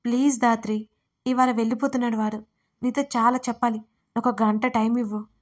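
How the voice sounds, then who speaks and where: A courteous young man who pleads and offers help with gentle insistence, as a woman narrator voices him. The voice sits fairly high, with no attempt to deepen it. It is storybook narration, plain and even. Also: fairly quick, lightly acted. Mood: pleading.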